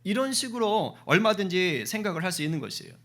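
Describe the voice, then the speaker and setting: High, bright-voiced male pastor preaching. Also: fast. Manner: lively, asks the congregation questions and acts out dialogue. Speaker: senior pastor. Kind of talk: sermon. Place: church sanctuary.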